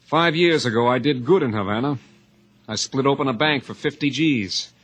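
A husky-voiced, hardened bank robber on the run played by a man in a 1950s radio drama. He broods with wounded pride and threatens in clipped tough-guy phrases, at a middling pitch. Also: normal speed, fairly bright tone, close to an everyday voice. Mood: menacing.

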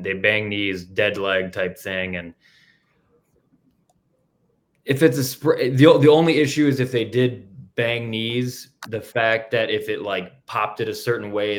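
Low-voiced man in easygoing sports chat. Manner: easygoing, laughs often, many fillers. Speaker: podcast co-host.

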